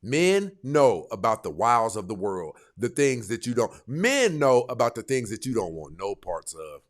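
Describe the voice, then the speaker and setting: A man hosting a dating advice stream, lecturing his viewers in a casual, animated way. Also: medium pitch, moderate pace. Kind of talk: casual live commentary.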